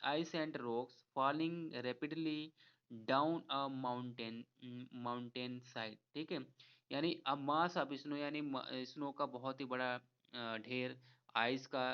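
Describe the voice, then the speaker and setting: A man teaching an exam-prep vocabulary lesson, explaining each word slowly, repeating himself and asking viewers to guess. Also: medium pitch, smooth. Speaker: English teacher. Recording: slightly dull lo-fi audio.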